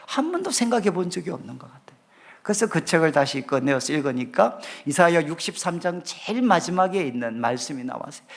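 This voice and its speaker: A middle-aged man delivers a revival sermon from the pulpit. His pitch rises and falls freely as he acts out prayers and answers in quoted voices. The delivery stays earnest and expressive throughout. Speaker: pastor.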